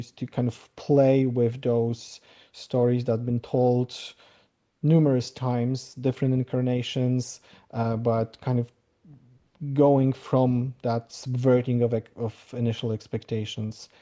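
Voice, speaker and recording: A man's voice: medium pitch, flat delivery, a little slow, dark tone. A man on a convention panel, talking hesitantly and searching for his words. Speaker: panelist, scenario writer.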